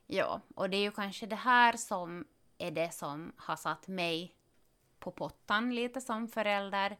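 A woman, a parent expecting her fourth child, chatting casually and telling stories with quick, animated asides. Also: mid-range voice, clear, resonant tone. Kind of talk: casual podcast conversation.

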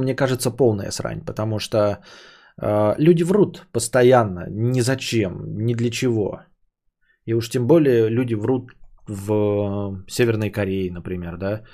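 A man chatting on his own podcast in a loose, rambling way. He jokes around, twists words on purpose and drifts from topic to topic, at an ordinary middle pitch. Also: mellow. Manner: jokey, rambling, deliberately mangles words. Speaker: podcast host. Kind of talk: casual solo podcast chat.

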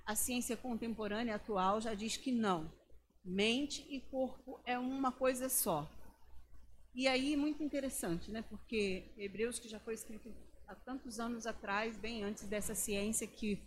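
A woman preaches a sermon in a chatty, storytelling way, often checking in with tag questions. Her voice sits a little high for a woman. A faint hiss of noise lies under the recording. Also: a little slow.

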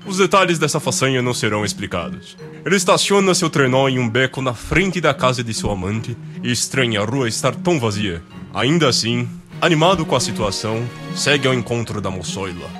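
A man's voice: medium pitch, expressive, brisk. A man reading scripted narration for a radio drama as the storyteller. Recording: music running under the narration.

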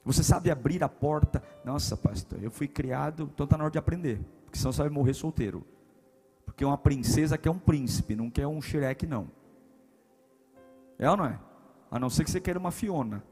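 A man with a Brazilian Portuguese accent, a pastor preaching a humorous sermon, swinging between loud punchy lines and hushed ones. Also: on the high side, fast talker, husky, soft background music.

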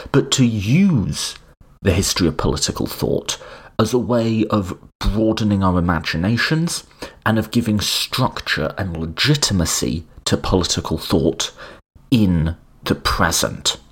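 A man's voice: sits low, slightly rough. A man hosting a podcast, explaining political philosophy in a conversational lecturing way with wry asides. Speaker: podcast host.

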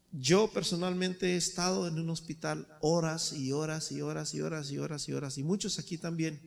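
A man's voice: on the high side, gravelly. A man preaching a sermon with impassioned storytelling, speaking directly to the congregation. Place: church. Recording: echoey church hall.

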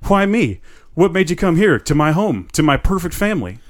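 A man's voice: high-pitched, sing-song, fast, darkish tone, pitched above the performer's own voice. A man doing a shaken, pleading family man. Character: shaken middle-aged family man, nervous then sly.

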